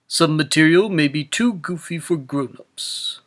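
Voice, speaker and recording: A man's voice: fairly high pitch, measured pace, a bit bright. A man reading a children's storybook aloud as scripted narration. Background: music.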